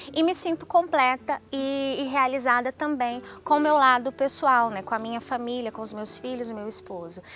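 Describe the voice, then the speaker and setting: A woman's high-pitched voice at a moderate pace, with ordinary pitch variation, big swings in loudness, and hardly any pauses. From Maranhão, Brazil. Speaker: animal science professor. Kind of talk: interview. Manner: halting.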